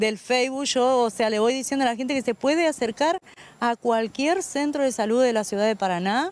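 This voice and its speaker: A woman's high voice, fairly quick and very even in loudness, with ordinary pitch variation and a dry sound lacking echo. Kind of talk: interview answer. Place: open country. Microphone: handheld.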